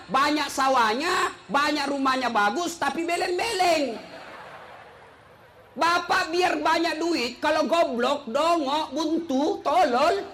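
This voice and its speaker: A middle-aged man preaching a humorous sermon, teasing the crowd and breaking into shouts. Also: extremely high pitch, slight background noise. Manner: joking, teasing, storytelling, bursts of shouting.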